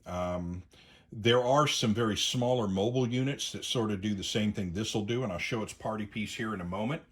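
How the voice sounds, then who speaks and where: Low-pitched man giving a casual gear demo. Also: fairly quick, a bit bright, slightly rough. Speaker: host of a radio gear review video. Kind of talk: casual product demonstration.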